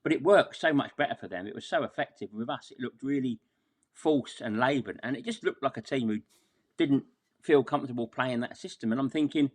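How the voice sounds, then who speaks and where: A man with a mid-pitched voice reviews football in a casual podcast chat. He sounds exasperated and talks at length, halting and doubling back on his words.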